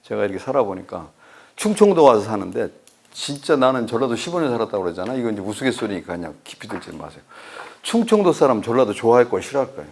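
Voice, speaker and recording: A man's voice: fairly low pitch, fast, vocal fry, slight background noise. A man lectures like a storyteller, swinging his voice widely as he plays every part in his anecdotes. He teases and questions the listeners between the stories, keeping the talk joking and conversational. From Chungcheong, South Korea. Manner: animated storyteller who acts out dialogue and teases the audience. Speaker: university professor lecturing.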